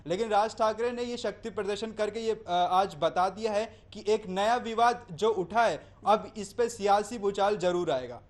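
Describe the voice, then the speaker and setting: A man's voice: high-pitched, measured pace, few pauses. A man reporting live as a news correspondent, explaining in long, winding sentences with hesitations.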